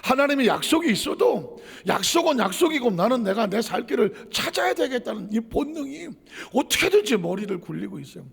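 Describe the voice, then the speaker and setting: Male pastor, high gravelly voice, fervent sermon in a reverberant church. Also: sing-song, brisk. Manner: emphatic, repeats phrases, asks the congregation questions. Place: church sanctuary.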